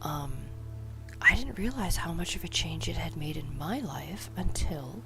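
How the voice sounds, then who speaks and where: A woman hosting a meditation livestream, talking in a soft half-whisper with many ums. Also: low-pitched, lively intonation, unhurried. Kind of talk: soft-spoken casual chat. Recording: loud music behind the voice. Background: music.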